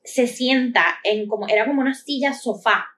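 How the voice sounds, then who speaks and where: Woman, podcast co-host, high voice, crude and blunt, frequent laughter. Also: normal speed, a bit bright. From Puerto Rico. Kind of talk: casual chat.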